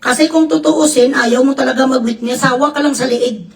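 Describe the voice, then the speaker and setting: Woman livestreamer, foul-mouthed mocking rants, high voice, distant mic. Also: fairly even intonation, fairly quick, vocal fry. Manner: crude, mocking, profanity-laden ranting. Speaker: reaction vlogger. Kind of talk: livestream reaction commentary.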